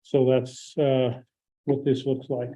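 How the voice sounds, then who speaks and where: A hoarse man chairing a county board meeting, explaining an agenda item haltingly with many filler pauses. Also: medium pitch, flat delivery, dark tone. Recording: tinny phone-like audio.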